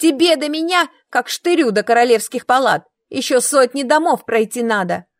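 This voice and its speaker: A vain young noblewoman, put on by a woman reading aloud, spits out her words in a high, strained voice. She sounds loud and scornful, pitched well above an ordinary speaking voice, and the dry sound sits close to the mic. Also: expressive, moderate pace, dry recording. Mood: indignant shrieking. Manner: hissing, indignant and scornful. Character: haughty young noble girl, vain and shrill.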